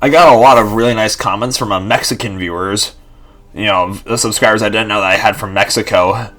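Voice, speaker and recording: A man's voice: on the low side, steady tone, fairly quick, a bit bright. A young man in his twenties rambling casually to camera, full of fillers and restarts. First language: Lithuanian and English bilingual. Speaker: vlogger.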